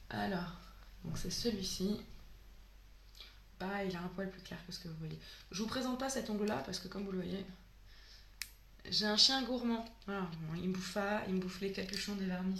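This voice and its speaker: Hoarse-voiced woman chatting in an echoey room. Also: mid-range voice, bright, forceful tone, slight background noise. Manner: chatty, sniffling, trailing off with many fillers. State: sick, hoarse voice. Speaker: beauty vlogger. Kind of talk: casual product haul.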